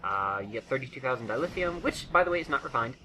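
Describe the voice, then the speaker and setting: Halting male gamer with bright, sharp voice. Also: mid-range voice, expressive, a little hiss or hum, poor audio. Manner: rambling, halting, self-interrupting. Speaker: gaming video commentator. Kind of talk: casual unscripted game walkthrough commentary.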